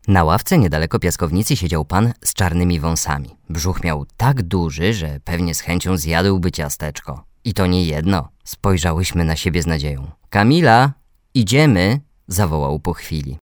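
A man with a low voice reads a children's story aloud. His delivery is gentle and measured, pitched to young listeners. The sound is close and dry. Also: dry recording.

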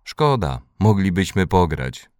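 A man voicing a shy young boy who speaks slowly and carefully. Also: deep voice, big pitch swings, clean tone, no echo, clean studio sound. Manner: slow, careful, quiet.

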